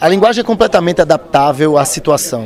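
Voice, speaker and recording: Against crowd noise in the background, a man talks at a fairly quick pace. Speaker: literature teacher and video-lesson creator. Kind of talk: interview.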